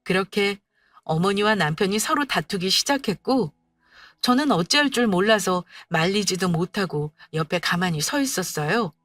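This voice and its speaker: A woman narrating a first-person drama story in a calm, confiding storytelling manner. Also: mid-range voice, moderate pace, dry recording, faint music behind.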